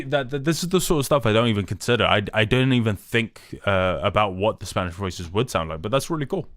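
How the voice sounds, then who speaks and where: A young man talking casually on a live stream, eager and rambling, often restarting his sentences. His voice sits a little low, and the sound is dry and close with no room around it. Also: fairly bright tone, no room sound. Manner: rambling, enthusiastic, many restarts and fillers. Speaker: livestream host.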